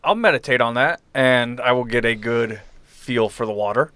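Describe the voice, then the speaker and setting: Bright-voiced man, close and dry. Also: mid-range voice, normal speed, smooth, dry recording. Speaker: tabletop game player. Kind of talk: casual banter. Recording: faint music behind.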